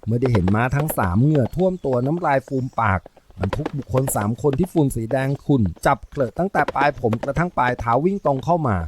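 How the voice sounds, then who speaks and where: A man narrating a novel in an expressive storytelling voice. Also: mid-range voice, fast talker, background noise. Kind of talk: audiobook novel reading.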